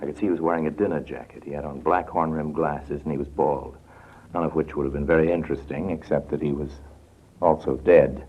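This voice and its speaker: A very deep-voiced suave con-man. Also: fairly even intonation, brisk, breathy edge, narrow, tinny audio. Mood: wry. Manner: wry, confiding first-person narration. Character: suave cynical male con-man smuggler narrating. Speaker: narrator and lead character. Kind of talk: 1950s radio drama acting. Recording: old radio broadcast with faint hiss.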